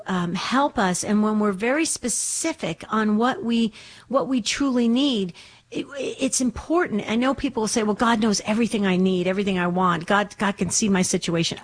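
A woman hosts a religious call-in radio show and talks to callers with enthusiasm. Her voice sits at a middle pitch, and she often repeats words as she builds her points.

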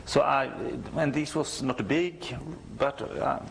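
A middle-aged Swedish man, a church musician, answering interview questions in halting, non-native English with a Swedish accent, often searching for words. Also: medium pitch, vocal fry, a little hiss or hum. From Sweden.

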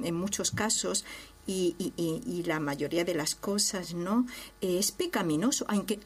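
A woman's voice: medium pitch, darkish tone. A woman hosting a Catholic radio programme, a religious sister with a chatty, informal, digressive way of talking. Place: radio studio in Barcelona.

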